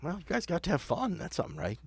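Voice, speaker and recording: A man's voice: sits high, very animated, fast, gravelly, slightly rough, dry recording. A man acting as game master, improvising scene narration and bantering with his players.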